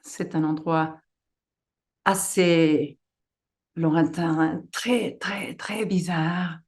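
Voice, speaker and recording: A middle-aged woman, a non-native speaker with a foreign accent, giving an informal webinar talk as a guest and haltingly searching for her words. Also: deep voice, steady tone, darkish tone. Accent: foreign accent in French. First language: not French.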